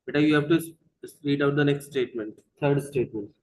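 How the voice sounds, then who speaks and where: A man's voice: on the high side, fast, a little hiss or hum, rough recording. A man with a South Asian accent teaching an interactive online lesson, prompting pupils with short questions and switching between English and Hindi. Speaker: teacher leading an online class.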